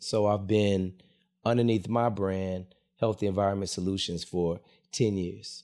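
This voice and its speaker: Recorded very cleanly against a silent background, a man with an American accent speaks at a fairly slow pace in a dark, mellow tone, his fairly low pitch showing ordinary variation. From US South. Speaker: business coach. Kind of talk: interview.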